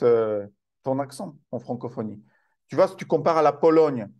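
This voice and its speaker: A man's voice: mid-range voice, darkish tone. Reflective man hosting a chat. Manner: halting, reflective, repeats words as he thinks. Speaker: host. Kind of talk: conversational interview.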